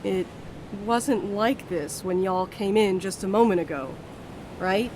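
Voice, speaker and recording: A woman's voice: mid-range voice, a little slow, background noise, natural voice. A woman playing a blunt, impatient night courier in an audio drama, naturalistic and wry. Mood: exasperated, uneasy.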